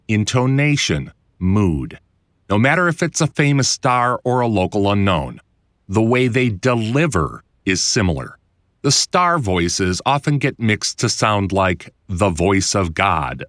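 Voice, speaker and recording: A man reading his own instructional audiobook in a conversational, clearly enunciated way, like a voiceover producer explaining the trade. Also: on the low side, a bit bright, no room sound, studio quality. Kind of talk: scripted instructional narration.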